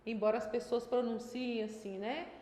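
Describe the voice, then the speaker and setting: A woman with a fairly high voice walks through a grammar lesson, explaining each rule step by step and often pausing to check in with her listeners. Her throat is a little dry. The room is echoey, with a long reverb trailing her words. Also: fairly even intonation, dark tone. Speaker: Portuguese grammar teacher. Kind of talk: exam-prep grammar lesson.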